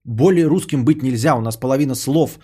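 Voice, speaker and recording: A man's voice: mid-range voice, a little fast, mellow, husky. A man, a podcaster and streamer, ranting in a sarcastic, indignant tone and swearing freely as he answers a viewer.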